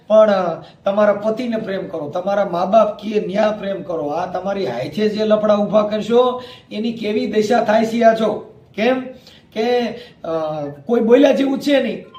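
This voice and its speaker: A man's voice: sits high, a little mellow. A man with a Saurashtra Gujarati accent giving colloquial, preachy commentary, warning his listeners like a community adviser. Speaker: community advice host. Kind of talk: admonishing spoken commentary. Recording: roomy, echoing sound.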